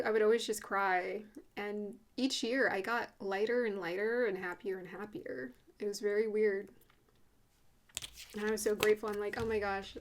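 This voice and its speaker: A woman giving a casual spiritual card reading, talking earnestly and chattily with fillers and soft laughs. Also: fairly high pitch. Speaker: spiritual reader doing a tarot card reading.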